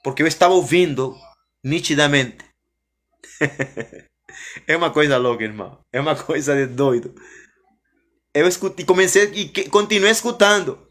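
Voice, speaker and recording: A man giving an emotional religious testimony as a preacher, fervent and repetitive, often rising and then falling soft. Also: a little high, moderate pace, long pauses.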